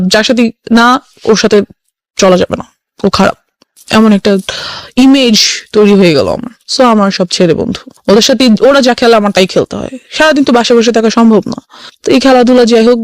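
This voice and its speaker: A woman's voice: medium pitch, darkish tone, no room sound. A young woman calling in to a radio show, telling her personal story in a hesitant way and slipping English phrases into her speech. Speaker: caller sharing her life story.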